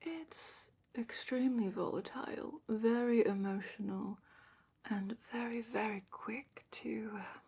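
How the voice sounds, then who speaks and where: A woman playing a calm, thoughtful dragon curator in a whispered ASMR fantasy roleplay, speaking softly and breathily with measured, musing pauses. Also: a little high, breathy edge, exaggerated voice. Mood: thoughtful, cautioning.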